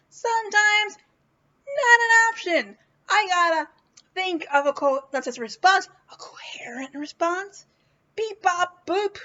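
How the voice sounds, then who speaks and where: High-voiced, playful woman rambling in casual vlog. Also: pushed and bright, highs cut off. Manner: playful, goofy, giggly, swears freely; halting, repeats words while searching for them. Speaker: vlog host. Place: indoors, lying in a hospital bed with a fan running.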